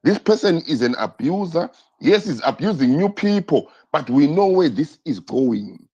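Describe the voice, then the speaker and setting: A man hosting a political live stream, his husky voice riding fairly high and swinging widely in pitch. He talks with urgent passion, circles back over his points and throws out rhetorical questions. The sound is dull and lo-fi. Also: sing-song, moderate pace, warm tone. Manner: impassioned, repetitive, rhetorical questions.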